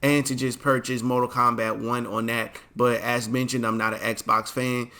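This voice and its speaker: Sleepy and stifling yawns, a man hosts a casual gaming video, offering laid-back, slangy commentary to camera. His voice is medium-pitched with a sharp tone.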